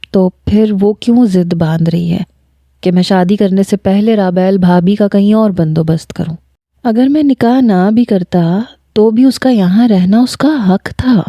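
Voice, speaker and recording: A woman storyteller reads a first-person tale in a calm, measured way. Her voice is dark and mellow, with a dry recording and no room sound. The pitch sits at a middle level for a woman. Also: no echo.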